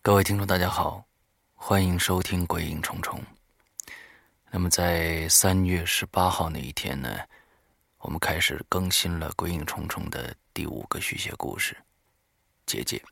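A man's voice: low-pitched, steady tone, moderate pace, creaky, a bit bright, no room sound, studio quality. A man hosting an audio show, talking informally to his listeners. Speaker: horror audio show host. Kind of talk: semi-scripted talk to listeners.

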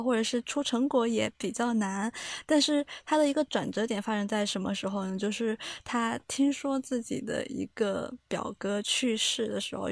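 Measured woman, higher voice, dry sound. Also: dry recording. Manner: measured, hesitant, many fillers. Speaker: podcast co-host. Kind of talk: casual chat, storytelling.

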